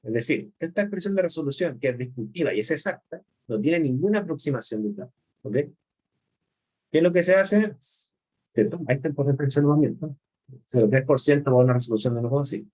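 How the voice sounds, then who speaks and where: A male chemistry lecturer gives an online class over a computer mic. His voice sits a little high for a man. He keeps stopping to ask his students whether they are following. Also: expressive, brisk, warm tone. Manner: explanatory, checks in with "¿ok?" and "¿no es cierto?". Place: remote class.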